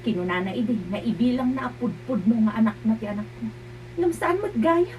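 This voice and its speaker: A woman voicing a firm young mother who speaks in a fairly high voice and states her mind insistently. The voice sits well back from the microphone, and a loud steady hum runs underneath. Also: a little fast, dull audio, close to an everyday voice. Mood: hurt. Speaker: mother in an audio drama. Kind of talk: amateur drama acting. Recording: distant mic with loud hum.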